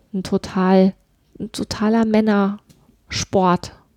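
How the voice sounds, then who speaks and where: Heard on a very clean recording with a silent background, a woman speaks in a dark, mellow tone with monotone, flat intonation and a dry, close sound with no echo. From Braunschweig, northern Germany. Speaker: podcast co-host. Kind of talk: casual chat.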